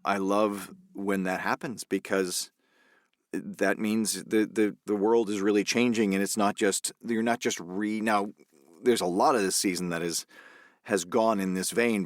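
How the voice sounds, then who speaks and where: Podcast host, male, lower register, thoughtful, halting delivery. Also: fairly even intonation, no echo, clean studio sound. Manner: reflective, restarts phrases often. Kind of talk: casual interview chat.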